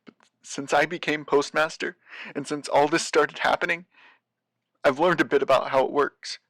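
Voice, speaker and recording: An actor playing a weary, haunted postmaster of a doomed city in an audio drama, speaking gravely and haltingly as he searches for words. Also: fairly high pitch, steady tone, a bit bright, no room sound, natural voice. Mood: searching, urgent. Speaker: guest voice actor. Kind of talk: audio drama monologue, recorded message.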